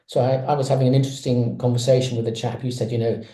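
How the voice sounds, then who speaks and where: A man's voice: mid-range voice, flat delivery, very fast, mellow, reverberant, poor audio. A man speaking on a webinar panel, explaining ideas conversationally with examples over a video call.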